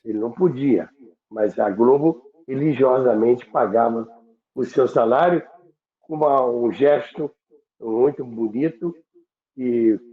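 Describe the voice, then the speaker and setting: A man with a Brazilian accent hosting and reminiscing in conversation, haltingly, repeating words for emphasis. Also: mid-range voice. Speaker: radio history show host. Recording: roomy, phone-like connection.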